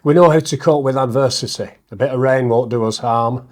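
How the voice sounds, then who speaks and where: This northern English poet and comedian, middle-aged, talks a little fast in a mid-range voice. Appearing as an interview guest, he keeps things casual and pokes fun at himself between bits of poetry recital.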